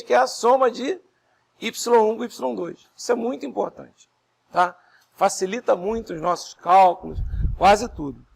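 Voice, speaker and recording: Hoarse lecturer, gravelly voice. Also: male voice, sits high. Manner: explains step by step, asks the class rhetorical questions; speaks softly and not fast, pausing to breathe. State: hoarse, voice strained after illness. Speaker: university lecturer. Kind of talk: classroom lecture.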